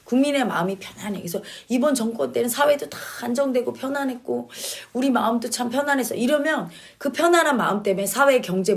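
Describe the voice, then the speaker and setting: A woman commentator giving blunt opinions, stressing her points by repeating key words and mixing casual and polite speech. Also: a little high. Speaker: commentator answering questions.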